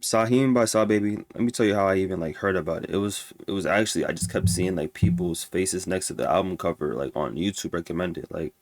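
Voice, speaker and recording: A man's voice: low voice, fast talker, few pauses, darkish tone, no echo. A man with a stuffy nose ranking music albums in casual, rambling talk full of restarts and fillers. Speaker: music reviewer.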